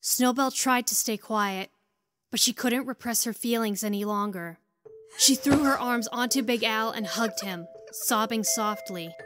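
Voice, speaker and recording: A woman's voice: on the high side, unhurried, fairly bright tone, no echo, faint music behind. A woman reading scripted story narration as the narrator of an audio drama.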